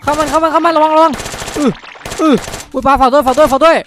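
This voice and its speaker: A man giving excited, improvised gameplay commentary as host, exclaiming and repeating urgent calls, with music behind him. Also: very high-pitched, fast, slight background noise. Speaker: gaming video host.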